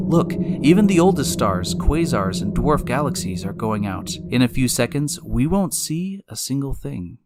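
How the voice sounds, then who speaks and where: A man delivering scripted, dramatized science narration as the guide of a radio drama, explanatory in manner. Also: mid-range voice. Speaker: narrator and time machine guide. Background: loud music.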